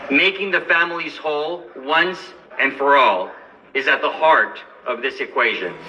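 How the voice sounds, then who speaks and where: A man's voice: on the high side, pushed and bright. Earnest man giving a formal speech. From Los Angeles. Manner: measured, earnest delivery. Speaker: lawyer and advocate. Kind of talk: formal speech at a press event. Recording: distant mic with light background noise.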